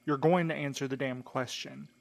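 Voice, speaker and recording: A man's voice: medium pitch, fairly even intonation, moderate pace, creaky, natural voice. An actor playing a hot-tempered, heartbroken man in an audio drama, blunt and exasperated in his delivery. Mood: threatening. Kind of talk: scripted audio drama acting.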